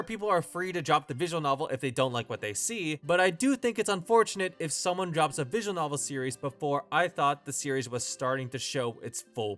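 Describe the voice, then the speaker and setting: A man's voice: fairly high pitch, a bit bright. A man hosting a video essay, delivering scripted opinion narration.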